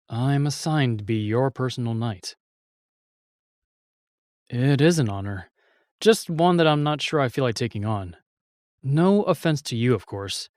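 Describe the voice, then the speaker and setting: Man acting a brusque, reluctant knight, slow and close. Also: mid-range voice, darkish tone, no echo, natural voice. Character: reluctant, brusque royal knight with a guarded kindness. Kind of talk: intimate fantasy audio roleplay acting.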